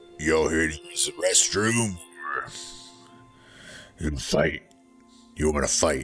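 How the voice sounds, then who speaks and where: A put-on character voice from a man, growling and very deep and low, fairly slow with long, frequent pauses, over clear music in the background. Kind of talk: casual, y'all slang. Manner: confrontational, challenging.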